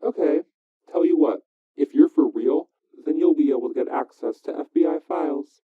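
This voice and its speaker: An actor playing a wary, excitable conspiracy investigator in an audio drama, informal, skeptical and sweary, heard through a phone. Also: male voice, a little high, normal speed, breathy edge. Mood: wary, bargaining. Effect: phone line filter. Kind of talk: audio drama dialogue over a call. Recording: thin, narrow-band phone line.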